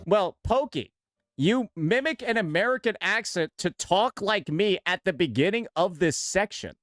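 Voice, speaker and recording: A man's voice: high voice, lively intonation, normal speed, a bit bright, no echo, studio quality, soft background music. A male streamer arguing and sneering through casual reaction commentary, swearing freely. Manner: sarcastic, argumentative, swears freely.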